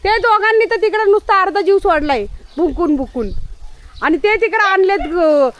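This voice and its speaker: A woman's voice: very high voice, moderate pace, fairly bright tone. A woman vlogging on a farm, chatting to viewers and coaxing her pets with repeated words. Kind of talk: casual vlog narration. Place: farm cowshed outdoors with animals.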